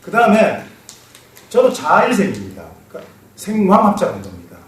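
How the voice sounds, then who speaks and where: A man giving a classroom lecture on fortune-telling, lively and quizzing his students, laughing now and then. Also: sits high, fairly quick. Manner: animated, asks students questions, laughs. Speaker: saju lecturer. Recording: roomy echo, mic far off, faint noise.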